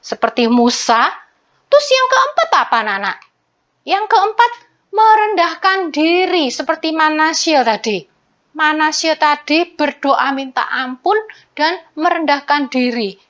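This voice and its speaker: A woman teaching a Sunday school lesson to children, animated, often acting out children's prayers in a childlike voice. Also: high-pitched, a little slow. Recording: dull lo-fi recording.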